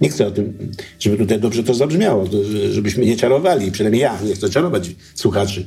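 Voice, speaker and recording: Music plays in the background, with audible room echo, as the speaker rattles along at a very fast pace with lively intonation and very even loudness. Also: man, fairly low pitch for a man. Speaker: retired police officer. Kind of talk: interview conversation.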